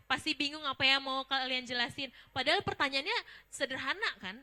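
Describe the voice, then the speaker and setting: Bright-voiced young woman trainer. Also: high-pitched, expressive, a little fast. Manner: chatty and informal, asking the audience questions. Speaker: public speaking trainer. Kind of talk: casual workshop talk.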